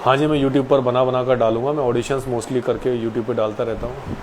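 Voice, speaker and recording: Man, late twenties, casual live chat, polite, average pitch, faint hum behind. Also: flat delivery, normal speed. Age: 20s. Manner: polite, addresses viewers with "ji". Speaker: actor hosting a live Q&A. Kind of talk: casual live-stream chat answering viewers.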